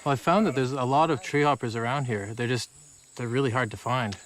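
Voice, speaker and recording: A man talks casually as a researcher out in the field. His voice has an average male pitch and an informal, conversational delivery. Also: brisk, a bit bright, slight background noise.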